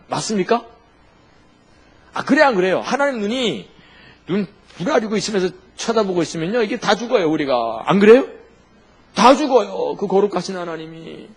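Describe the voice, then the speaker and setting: A man's voice: high voice, fairly bright tone, slightly rough. A man preaching a sermon as a pastor, asking the congregation questions and answering them himself.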